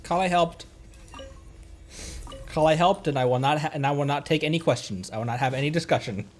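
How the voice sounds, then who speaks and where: A man doing casual livestream game commentary in a playful, excitable manner. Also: on the high side, fairly quick, faint music behind. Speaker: streamer.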